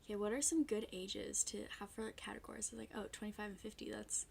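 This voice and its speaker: A young woman co-hosting a casual podcast chat, chatty and quick to laugh, with lots of "like". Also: medium pitch, vocal fry, a little mellow, a little hiss or hum. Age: young adult. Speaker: podcast co-host.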